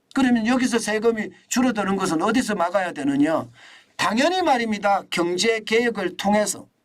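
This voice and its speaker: A high-pitched male voice with lively intonation, very even loudness and a moderate pace. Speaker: news commentator. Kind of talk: news commentary monologue.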